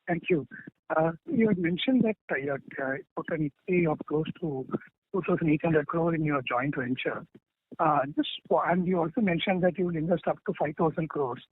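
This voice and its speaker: A man's voice: a little high, a little fast, slightly rough. A man with an Indian accent asking analyst questions on an earnings call, hesitant and often rephrasing. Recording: thin telephone line.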